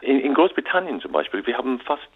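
Halting man on a tinny phone line. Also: mid-range voice, very animated, husky. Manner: halting non-native German with repeated restarts and English fillers. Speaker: author and interview guest. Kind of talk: radio interview.

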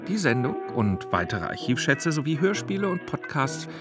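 A man presenting a radio programme in a measured, scripted style, recorded in a studio. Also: on the high side, very animated, over music. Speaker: radio host and editor. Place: dry studio.

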